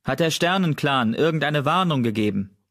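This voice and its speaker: Guy doing a commanding tomcat leader, growly, raised and loud. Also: a little high, expressive, moderate pace, voice pushed up. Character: stern male cat clan leader.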